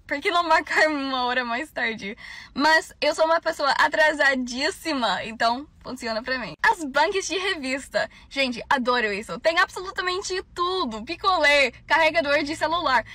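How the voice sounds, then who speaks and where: Bright high foreign-accented young woman. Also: lively intonation, moderate pace. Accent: foreign accent in Portuguese. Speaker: foreign exchange student. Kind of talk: social media clip monologue. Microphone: phone camera.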